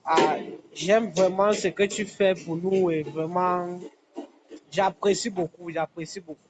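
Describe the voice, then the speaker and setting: A man's voice: high voice, steady tone, a little slow, noisy background. A man from Cameroon's anglophone South-West calling into a live stream from a construction site, talking hesitantly and repeating himself. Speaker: caller. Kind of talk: phone-in call to live stream.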